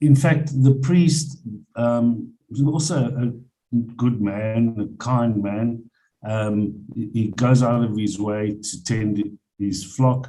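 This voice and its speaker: With a dark, mellow tone, a man talks in a somewhat breathy voice at medium pitch with ordinary pitch variation. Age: 60s. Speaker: guest. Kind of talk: casual chat. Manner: halting.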